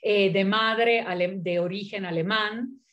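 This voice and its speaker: On a muffled recording, a middle-aged Venezuelan poet and critic whose first language is Italian speaks thoughtfully at an academic panel in a mid-range, fairly bright voice with fairly even intonation. Pauses, fillers and restarts fill her speech.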